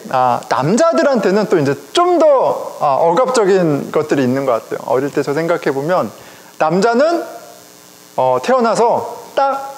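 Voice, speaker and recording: A middle-aged man, a pastor, preaching a sermon in a conversational, animated way, speaking directly to his congregation. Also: a little high, normal speed. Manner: conversational, animated, chuckles often, addresses congregation. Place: church sanctuary. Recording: long reverb of a church hall.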